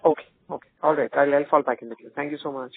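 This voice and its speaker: Analyst guy on a tinny phone, kinda high and croaky, halting questions. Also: fairly even intonation. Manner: hesitant, halting. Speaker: financial analyst. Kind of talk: questioning on an earnings call. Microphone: phone call.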